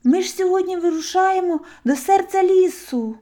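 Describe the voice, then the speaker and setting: A woman voicing an eager, excitable young male hedgehog who exclaims and takes offense easily. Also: very high-pitched, moderate pace, voice pushed up. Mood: excited.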